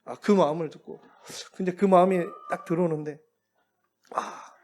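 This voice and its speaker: A man preaching as a missionary, telling personal stories in a relaxed, conversational way with occasional chuckles. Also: high-pitched, moderate pace. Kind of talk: sermon storytelling.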